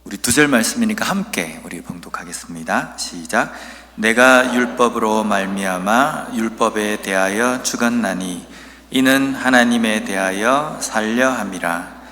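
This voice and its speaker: A man from Busan, South Korea, with a Busan accent, preaching a sermon as a pastor, telling stories earnestly and reading scripture slowly and emphatically. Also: on the low side, bright, forceful tone, in a large hall, slight background noise. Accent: Busan dialect.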